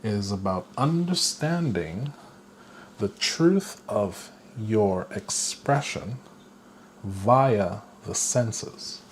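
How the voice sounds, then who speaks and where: A man giving a guided spiritual lesson, talking slowly and deliberately and chuckling now and then. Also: on the low side, animated, slight background noise. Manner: slow, deliberate, with playful chuckles. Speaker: spiritual teacher.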